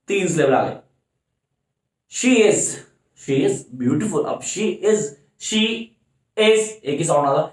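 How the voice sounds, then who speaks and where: Male teacher, exam-prep lecture, fairly high voice, answers his own student-style questions, slow repeated key phrases, roomy echo. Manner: asks questions as if from students, then answers them himself; repeats key English phrases slowly for emphasis.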